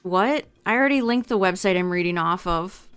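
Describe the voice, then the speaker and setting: Young woman streamer, voice going hoarse. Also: on the low side, animated, brisk, soft background music. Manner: chatty, reading out notes with asides. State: losing her voice. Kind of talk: casual livestream chat to viewers.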